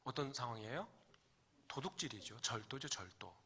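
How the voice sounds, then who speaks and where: A male pastor delivers a Sunday sermon in a church sanctuary with a bright, forceful tone. He talks in a loose, conversational way, tossing questions to the congregation and slipping in jokes. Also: mid-range voice, lively intonation, normal speed, slightly rough.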